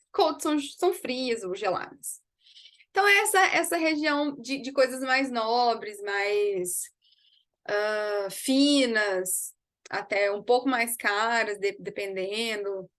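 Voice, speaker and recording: A woman English teacher gives an online lesson, moving between quick explanations and slowly modeled words for learners to repeat. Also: fairly high pitch, sharp tone.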